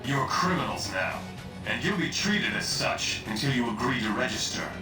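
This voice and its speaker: A man's voice: mid-range voice, very animated, normal speed, close to an everyday voice. An actor playing an irritated, menacing male enforcer, stern and scornful, in a game cutscene. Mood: stern, threatening. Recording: echoey, distant, with clear music behind.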